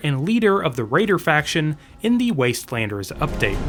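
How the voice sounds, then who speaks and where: Music plays in the background. A man with a fairly high voice speaks with very wide pitch swings. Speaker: We take a look at the raiders as a whole. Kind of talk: lore narration.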